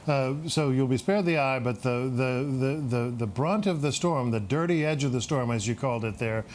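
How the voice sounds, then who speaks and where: An American man anchoring live breaking news without a script, halting and repeating words as he goes. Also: medium pitch, a little hiss or hum.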